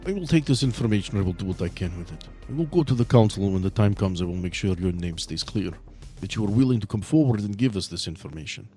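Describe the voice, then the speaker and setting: A man playing a measured, courteous authority figure who speaks formally and deliberately in an improvised role-play game. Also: fairly low pitch, lively intonation, dark tone, slightly rough, faint music behind. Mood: grave, cautious. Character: measured, courteous authority figure, proud host of his town.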